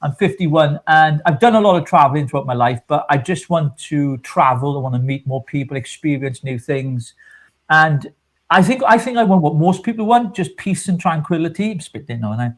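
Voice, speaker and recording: Fifties male co-host, casual and sincere, slightly higher pitch. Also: moderate pace. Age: 50s. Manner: chatty, self-mocking, sincere. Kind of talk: casual chat.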